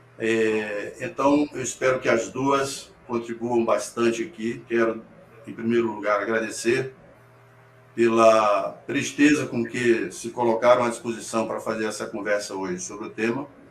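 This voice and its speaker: A man's medium-pitched voice with big swings in loudness, fairly even intonation and noticeable background noise. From Ceará, Brazil. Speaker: event host and moderator. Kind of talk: live online talk introduction. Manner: halting, many fillers and repeats.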